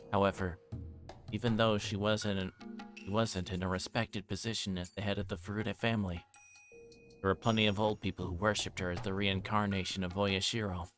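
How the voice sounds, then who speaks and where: A man's voice: on the low side, fairly bright tone. A man reading a visual novel aloud on a livestream, narrating in first person and occasionally stumbling over words. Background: game music.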